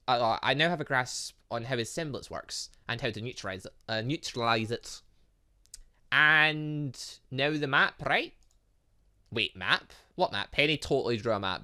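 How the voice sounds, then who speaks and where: A male gaming host with a bright, forceful voice. His pitch moves around a lot as he reads game text aloud and drops in chatty comments. He occasionally stumbles on a word and carries on. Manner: stumbles over long words, chatty asides. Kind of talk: let's play, reading game dialogue aloud with commentary.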